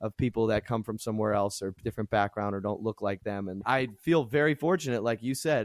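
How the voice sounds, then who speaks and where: A man with an American accent, medium-pitched, at a fairly quick pace with ordinary pitch variation, in a very clean recording with a silent background and a dry, close sound with no echo. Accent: Pittsburgh accent, toned down. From Western Pennsylvania, Pittsburgh. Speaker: jazz trumpeter and vocalist. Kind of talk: podcast interview. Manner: animated.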